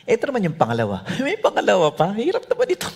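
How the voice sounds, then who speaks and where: A male pastor preaches with humorous, animated storytelling and often drops to soft asides. His voice is husky. His pitch swings widely as he tells the story. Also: fast talker. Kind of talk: sermon.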